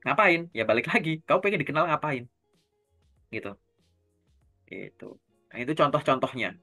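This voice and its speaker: Guy coaching job seekers, bright clear voice, chatty, keeps checking if you follow. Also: a little high, big pitch swings, moderate pace, faint music behind. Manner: explains with everyday examples, asks questions to check understanding; keeps tagging sentences with a casual filler. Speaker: career coach. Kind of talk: conversational coaching talk.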